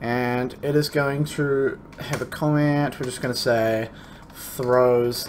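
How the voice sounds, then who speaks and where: A man speaks very slowly while noticeable noise runs in the background. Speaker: programming tutorial youtuber. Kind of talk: tutorial. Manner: casual, filler-heavy.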